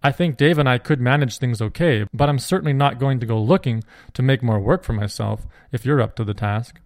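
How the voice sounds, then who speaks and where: Male storyteller doing a practical shepherd brother, even and plain, dry sound. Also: mid-range voice, a little fast, no echo, lightly acted. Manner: practical, matter-of-fact advice.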